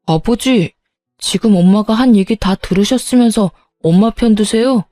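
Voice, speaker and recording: A woman's voice: mid-range voice, moderate pace, dry recording, studio quality, faint music behind, lightly acted. A woman voicing a hot-tempered young husband arguing with his parents in a narrated story. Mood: agitated. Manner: pleading then loud, insistent.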